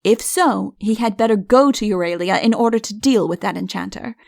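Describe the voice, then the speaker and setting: A woman's voice: medium pitch, brisk, creaky, no room sound, clean studio sound. A woman reading a comic fairy tale as an audiobook narrator, in scripted storytelling style.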